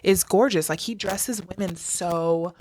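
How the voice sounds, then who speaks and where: A woman's voice: fairly low pitch, a little slow, darkish tone. A woman hosting a podcast, chatting effusively about wedding looks. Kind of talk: casual podcast chat.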